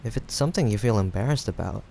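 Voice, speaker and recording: Casting: man as teasing, caring young guy friend for audio roleplay, lowish voice with vocal fry, casual and reassuring, rain behind. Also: lively intonation, dark tone. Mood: concerned. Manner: casual, teasing, chuckling, hesitant pauses. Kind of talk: improvised audio roleplay addressed to the listener. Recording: faint background noise, rain ambience. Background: rain sound effects.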